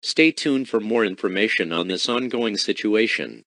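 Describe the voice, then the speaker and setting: A man's voice: on the low side, animated, normal speed, fairly bright tone, no echo. A man reading a formal scripted emergency alert as a broadcast announcer.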